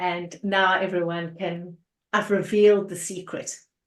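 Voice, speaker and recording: A woman speaks with a South African accent. Her pitch is medium and her pace fairly slow. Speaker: energy coach. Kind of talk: interview.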